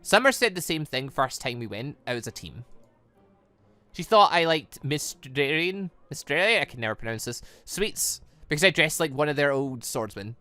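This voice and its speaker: Male gaming host, lively swooping delivery, slightly high voice, close dry sound, trips over words. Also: normal speed, dry recording. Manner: stumbles over words and corrects himself. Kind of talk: visual novel read-aloud with off-the-cuff commentary.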